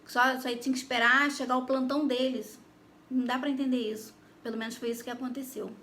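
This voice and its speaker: Brief: Brazilian woman, high bright voice, animated faith testimony to her viewers, faint noise behind. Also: fast talker. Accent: Brazilian Portuguese. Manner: animated, addresses listeners directly. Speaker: Christian YouTuber giving testimony. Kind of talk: personal faith testimony storytelling.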